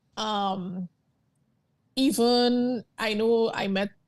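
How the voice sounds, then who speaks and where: Somewhat breathy, a woman with a Trinidadian accent speaks at a medium pitch with ordinary pitch variation. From Trinidad and Tobago. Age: 40s. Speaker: small business owner. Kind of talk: interview about her business.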